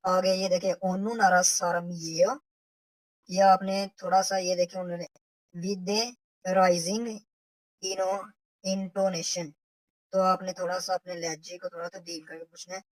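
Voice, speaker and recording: A woman's voice: fairly low pitch, little pitch movement, unhurried, dry recording, low-quality recording. A woman, teaching a recorded language lesson from a textbook. She explains step by step and repeats the example phrases.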